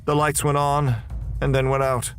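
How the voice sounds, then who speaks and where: A man narrates a horror audio drama in the first person. His mid-pitched voice delivers scripted prose dramatically, with music underneath. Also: monotone, normal speed.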